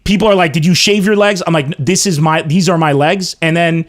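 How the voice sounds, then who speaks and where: Podcast host guy, kinda high voice, flattering and laughing a lot. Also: fairly quick. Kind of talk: casual podcast banter. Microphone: remote call.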